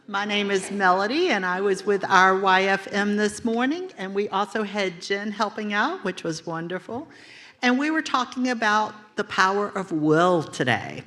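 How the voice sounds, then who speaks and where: A woman's voice: medium pitch, fairly bright tone. A woman giving an informal, chatty report to a congregation as a youth volunteer.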